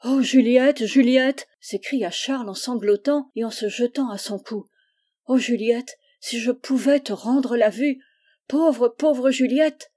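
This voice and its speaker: Orphan boy, quick temper but soft heart, earnest storybook voice, mellow tone, a lady reading him. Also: on the high side, lightly acted. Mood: sobbing. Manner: earnest, emotional pleading.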